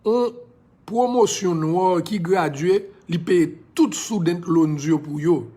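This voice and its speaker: A man's voice: sits high, takes it slowly, warm tone. A man with a Haitian accent giving an impassioned, preachy monologue in a casual live video, now and then slipping into English phrases. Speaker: social media personality.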